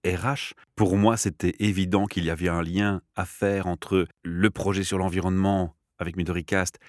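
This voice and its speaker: A man's voice: low-pitched, flat delivery, normal speed, dry recording, clean studio sound. A man hosting a podcast, asking long, enthusiastic questions. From Belgium. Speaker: podcast host. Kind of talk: podcast interview.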